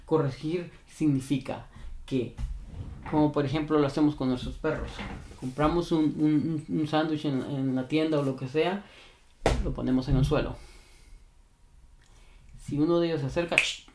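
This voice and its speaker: A man's voice: fairly high pitch, steady tone, moderate pace, long pauses, background noise. A man working as a dog trainer, earnestly explaining advice to a viewer and repeating his key points for emphasis. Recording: roomy echo.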